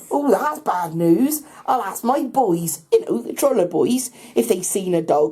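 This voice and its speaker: A woman's put-on character voice, fairly high in pitch, with very wide pitch swings and a moderate pace. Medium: audio drama. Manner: rambling, chatty.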